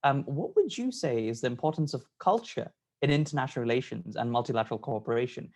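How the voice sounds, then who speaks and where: A man hosts a virtual interview and puts questions to his guest over a video call. He speaks in a measured way, often pausing on ums. His voice has an ordinary pitch for a man. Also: animated, darkish tone.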